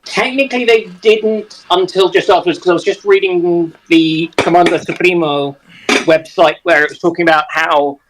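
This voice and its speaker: A man speaking as a panelist in a casual discussion about history, on a slightly noisy microphone. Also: fairly high pitch.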